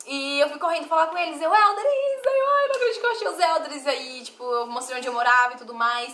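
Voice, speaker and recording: A woman's high, raised, projected voice races at a very fast pace with hardly any pauses, very wide pitch swings and big swings in loudness, amid noticeable background noise and audible room echo. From Bahia, Brazil (Irecê). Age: 20s. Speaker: vlogger. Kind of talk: personal life story.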